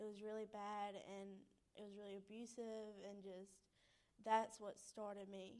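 A woman with a North Carolina accent speaks fairly slowly in a monotone, flat way. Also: medium pitch for a woman. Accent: US South, North Carolina. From Roanoke Rapids, North Carolina. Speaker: recovery program intern. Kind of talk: testimony. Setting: church stage with audience. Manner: nervous laughter.

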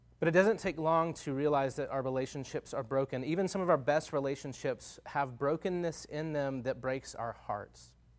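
A man with a Texan accent at a moderate pace with hardly any pauses, in a very clean recording with a silent background. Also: fairly high pitch for a man, ordinary pitch variation. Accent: Texan Southern US. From Northeast Texas, US. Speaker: campus minister, guest preacher. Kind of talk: sermon. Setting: church.

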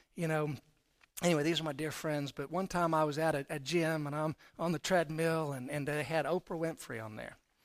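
A man with an American accent in a plain, everyday voice, fairly high in pitch, with fairly even intonation, on a very clean recording with a silent background. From Florida. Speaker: traveling preacher. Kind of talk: sermon. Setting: church.

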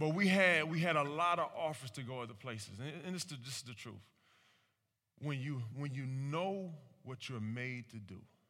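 A fairly high-pitched man with an American accent, animated and bright with a sharp tone, lively intonation, big swings in loudness and audible room echo. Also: moderate pace. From Cleveland, Ohio. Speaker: pastor. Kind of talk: sermon.

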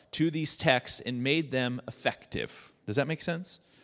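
On a very clean recording with a silent background, a man with a plain, everyday voice and fairly high pitch speaks at a fairly slow pace. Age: 30s. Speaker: pastor. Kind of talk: sermon. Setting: church. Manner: casual, conversational.

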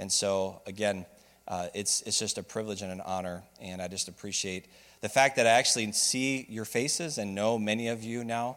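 A man speaks in an unremarkable speaking voice, fairly low-pitched with ordinary pitch variation, at a moderate pace on a very clean recording with a silent background. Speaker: senior pastor. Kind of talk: church service introduction. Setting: church.

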